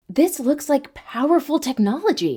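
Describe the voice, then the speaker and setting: This is a put-on character voice that sounds female. It is pitched high for a woman. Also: moderate pace. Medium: audio drama. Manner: musing, half to herself.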